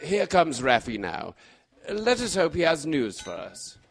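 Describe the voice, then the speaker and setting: An actor playing a shrewd, composed Victorian gentleman detective in a mystery drama, precise, formal and assured. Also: on the high side, huge pitch swings, a little slow, gravelly, heavily acted. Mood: wry, assured. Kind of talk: radio-style mystery drama acting.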